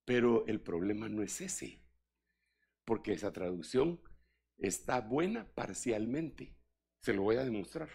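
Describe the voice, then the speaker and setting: An older man preaching a sermon in an animated style, with joking asides to the congregation. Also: lowish voice, measured pace, creaky, slightly rough. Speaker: apostle preaching.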